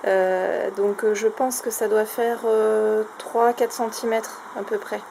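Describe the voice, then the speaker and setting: A woman's voice: mid-range voice, level tone, a little slow, vocal fry. Chatty woman showing a craft haul. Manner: hesitant, many fillers, chatty. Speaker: craft vlogger. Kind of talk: casual show-and-tell of a shopping haul. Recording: noisy home recording.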